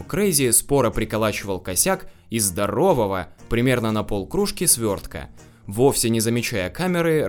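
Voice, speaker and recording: A man narrating a first-person story in an audiobook, with a wry, slangy telling. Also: on the low side.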